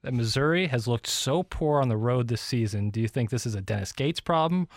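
Fast-talking male sports co-host. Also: mid-range voice, expressive, no room sound, studio quality. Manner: quick, agreeable, asks the questions. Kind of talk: casual sports talk.

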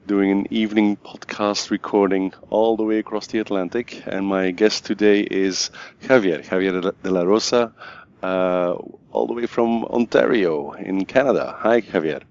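A man hosting an interview podcast, friendly and halting, often repeating words as he asks questions. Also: on the low side, fairly even intonation, darkish tone, dull audio. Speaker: podcast host.

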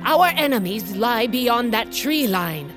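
A woman's voice: fairly high pitch, lively intonation, slow. An actress playing a stern, commanding tribal queen and mother who rallies her people with authoritative speeches. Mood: rousing. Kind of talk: fantasy audio drama acting. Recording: music bed behind voice.

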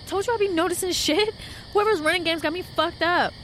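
A high voice gives us a wary, outspoken young woman in an audio drama. She is blunt and slangy, with faint night insects around her. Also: a little fast, fairly bright tone, a little hiss or hum. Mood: keyed up. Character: wary, sharp-eyed, outspoken young woman lost in woods. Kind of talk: audio drama acting, casual dialogue. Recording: faint outdoor night ambience with crickets.

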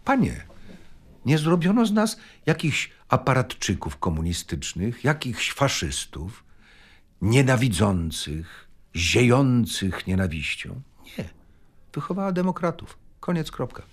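A man's voice: medium pitch, very animated, a little slow, slightly rough. A man giving emphatic personal testimony in clipped, indignant declarations.

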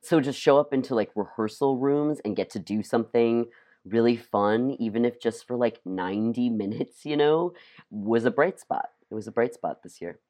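Halting, casual interview guest, mid-pitched voice. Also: mellow. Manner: halting, peppers speech with "like". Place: at home, remote session.

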